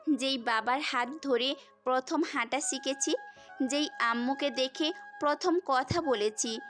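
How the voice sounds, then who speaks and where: High-voiced young woman narrating a story. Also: a bit bright. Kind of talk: first-person romantic story narration.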